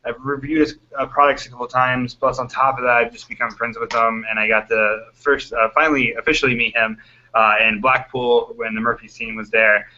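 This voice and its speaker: A man hosting a casual video chat from a hotel room, chatty and quick to laugh. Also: mid-range voice, little pitch movement, sharp tone. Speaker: host. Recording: lo-fi web call audio.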